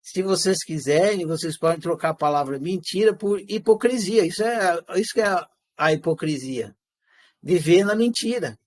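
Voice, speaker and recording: A high-pitched man leads a live class. He is animated and asks rhetorical questions that he answers himself. He also acts out everyday lines in quotes. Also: moderate pace. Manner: animated, switches into acted quotes of everyday speech. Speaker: teacher.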